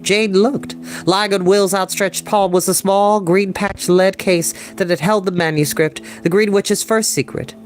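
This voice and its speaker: A young adult man reading a novel aloud as storyteller, in expressive audiobook-style narration. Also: high voice, a little slow, hardly any pauses, soft background music. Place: small room at a desk. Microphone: desk microphone.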